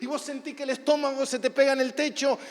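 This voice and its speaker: A man, a pastor with a Rioplatense Argentine accent, preaching a sermon and acting out stories, at times bursting into shouts. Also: very high-pitched, level tone, fast talker. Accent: Rioplatense Spanish. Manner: storytelling, acts out scenes, bursts into shouts. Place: church hall. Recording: church hall reverb.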